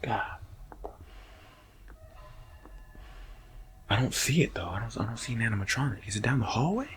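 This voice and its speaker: A man playing a nervous night security guard in an ASMR roleplay, talking casually and haltingly to his partner and slipping into whispers. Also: medium pitch, expressive, slight background noise, close to an everyday voice. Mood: panicked, urgent.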